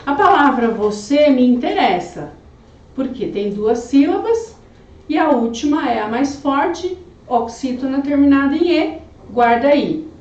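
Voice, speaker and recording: A Brazilian Portuguese woman teaching, correcting an exam question by question in a slow, chatty, didactic way. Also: sits high, expressive, a little mellow, reverberant, far from the mic, lo-fi sound.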